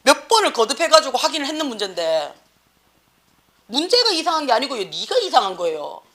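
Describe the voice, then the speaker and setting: Brisk, high-voiced Gyeongsang teacher scolding. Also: female voice. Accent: Gyeongsang Korean. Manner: blunt, animated, slangy, scolding. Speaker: academy teacher. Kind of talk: classroom lecture and scolding.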